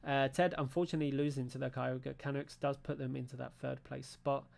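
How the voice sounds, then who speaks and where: A man's voice: flat delivery, a little fast, creaky, a little mellow. A man from Britain hosting a league stream recap in a casual, rambling way, full of fillers and restarts. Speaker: league show host. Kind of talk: casual stream wrap-up commentary. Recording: low-volume audio from his end.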